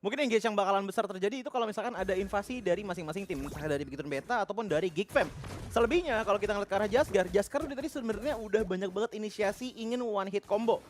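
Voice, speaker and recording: A man's voice: sits high, racing, slight background noise. An Indonesian man giving analytical live esports commentary as a caster, explaining in a colloquial way.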